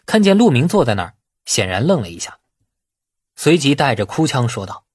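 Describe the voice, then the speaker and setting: A man reading a novel as dramatic scripted narration, in a husky voice. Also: mid-range voice, very animated, brisk, dry recording, studio quality. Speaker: audiobook narrator.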